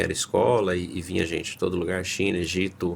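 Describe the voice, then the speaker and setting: A man with a fairly low voice talks at a moderate pace. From Brazil, Rondônia (Cerejeiras). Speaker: neurosurgeon. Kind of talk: podcast interview. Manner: halting, with repetitions.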